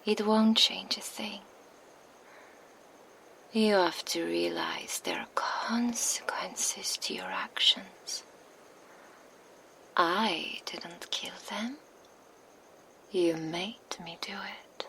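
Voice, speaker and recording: A woman's voice: mid-range voice, drawn-out words, creaky, pauses often, a bit bright, slight background noise, heavily acted, poor audio. A woman voicing a seductive, possessive female vampire in an ASMR roleplay, whispering close to a binaural microphone. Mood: menacing. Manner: intimate, purring whisper close to the ear.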